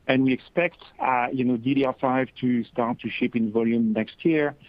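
A man answering as a company executive on an earnings call, measured and business-like with hesitant pauses. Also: medium pitch, no room sound. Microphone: conference call line. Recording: dull lo-fi conference call audio.

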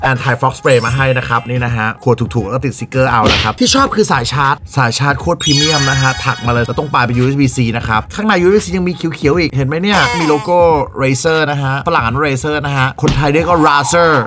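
A man reviewing a gadget in a casual unboxing vlog, excitable and jokey, cursing freely as he goes. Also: medium pitch, fast, few pauses, noisy background. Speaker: tech reviewer.

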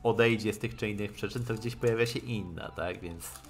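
A man reading visual novel dialogue aloud in a halting way and adding his own comments as a streamer. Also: lowish voice. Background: game music.

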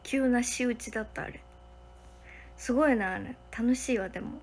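A young woman, hosting a casual livestream from a hotel room and thanking viewers for their comments one by one, sometimes dropping to a soft whisper. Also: fairly high pitch, normal speed, slight background noise. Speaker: livestream host.

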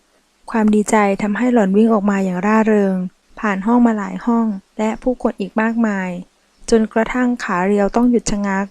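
A woman narrating a romance novel in a steady, even storytelling delivery, recorded close to the mic. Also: medium pitch, a little fast, no room sound. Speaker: audiobook reader.

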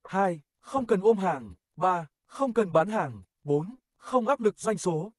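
A man's voice: high voice, expressive, slow pace, no echo, clean studio sound. A man reading scripted promotional narration as an advertisement narrator.

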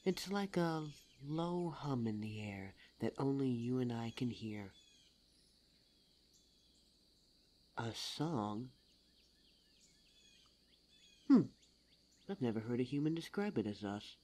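A performer voicing a suave, teasing demon lover in an intimate ASMR roleplay audio drama, smooth-talking and formal in address. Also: medium pitch, expressive, measured pace, mellow, natural voice. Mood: playful, seductive.

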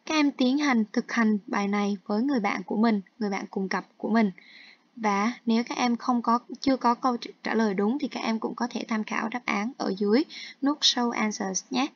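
A woman's voice: fairly high pitch, fairly quick, no room sound. Woman teacher walking students through exercises. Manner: explains each task step by step, switching between Vietnamese and English terms. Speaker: English teacher. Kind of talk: online textbook lesson walkthrough. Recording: dull, dry lo-fi recording.

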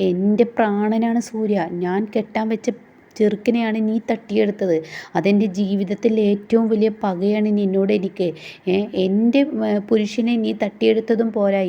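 A jealous, scorned young woman voiced by a woman who pleads for love and then turns to threats. The voice is gravelly and dark-toned. The recording sounds dull and lo-fi. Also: mid-range voice, lightly acted.

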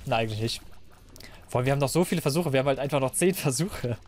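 A man giving casual, playful Let's Play commentary, talking to the game and his viewers, his voice a bit hoarse. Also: medium pitch, rapid-fire, darkish tone. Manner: playful, talks to the game and viewers, silly noises. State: slightly hoarse, clearing throat.

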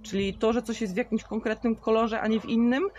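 A woman's voice: fairly high pitch, fairly even intonation, a little fast, darkish tone, slight background noise. A woman in her thirties talking on a live stream, answering viewer questions with a chatty, explaining manner and many fillers. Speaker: marketing trainer for beauty salons. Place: outdoors in a garden.

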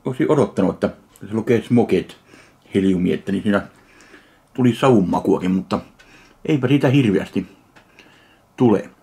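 A man from Finland tasting and reviewing a ready meal in slow, dry, deadpan remarks. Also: on the low side. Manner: slow, dry, deadpan commentary between bites. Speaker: food reviewer. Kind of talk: casual food tasting review.

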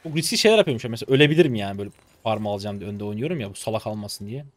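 A man in his twenties commentating his own gameplay live, excitable and swearing casually as he talks to viewers. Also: fairly low pitch, very fast. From Turkey. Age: 20s. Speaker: game streamer.

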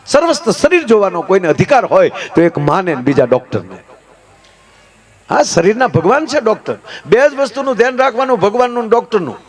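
Animated folk storyteller. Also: male voice, fairly quick. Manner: animated, swings pitch to act out quoted characters; preachy asides between jokes. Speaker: folk humorist. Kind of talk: live folk comedy storytelling.

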